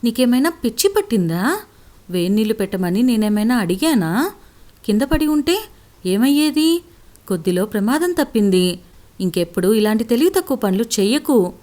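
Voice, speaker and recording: A woman voicing an angry young husband who shouts and scolds his pregnant wife. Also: a little high, very animated, normal speed, pauses often. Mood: angry scolding.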